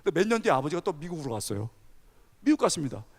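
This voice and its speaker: A male pastor preaching a sermon, telling a story with animated energy and asking the audience questions. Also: a little high, rapid-fire. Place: large church hall. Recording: long hall reverb.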